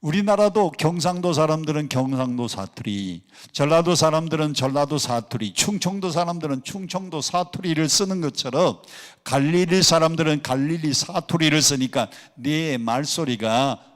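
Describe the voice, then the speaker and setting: A male pastor preaching a sermon, asking the congregation questions and answering them himself, mimicking regional dialect, rising to loud emphatic exclamations. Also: medium pitch. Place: prayer retreat worship hall. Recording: long hall reverb.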